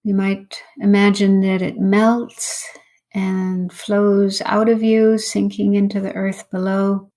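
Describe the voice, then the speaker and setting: A woman, a meditation teacher, leading a guided meditation in an unhurried, instructional way with long pauses. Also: mid-range voice, little pitch movement, mellow.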